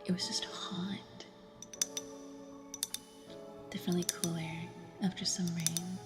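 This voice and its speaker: Woman whispering softly over music. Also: on the low side, level tone, slow. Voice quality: soft, breathy whisper. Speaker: ASMR livestream host. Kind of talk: whispered ASMR, casual livestream chat with viewers. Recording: music playing behind.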